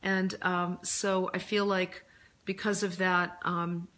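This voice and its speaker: A middle-aged woman recovering from laryngitis, chatting casually on a live stream in a reflective, earnest, halting way, her voice deeper than usual. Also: little pitch movement, fairly bright tone. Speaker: host of a live stream, author and coach. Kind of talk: casual live chat answering viewer questions.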